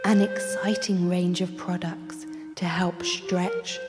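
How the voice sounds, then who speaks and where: A woman's voice: lowish voice, level tone, slow, in a large hall, music in the background. A woman reading scripted commercial and trailer narration as a voice-over artist.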